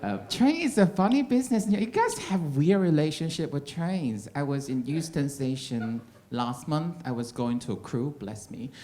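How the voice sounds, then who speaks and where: A man's voice: on the high side, lively intonation, moderate pace, hardly any pauses, dark tone. A young gay man doing stand-up in a comedy club, speaking non-native English with a slight American twang, wry and chatty with the audience. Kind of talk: stand-up set.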